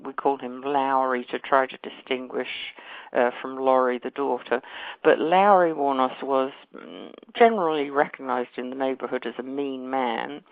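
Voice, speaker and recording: A woman from London with a faded London accent, an author talking as a guest in a phone interview, chatty and quick to correct herself. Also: very deep voice, fairly even intonation, dry recording. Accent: London English, faded. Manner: chatty, self-correcting, laughs easily. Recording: dry tinny phone line.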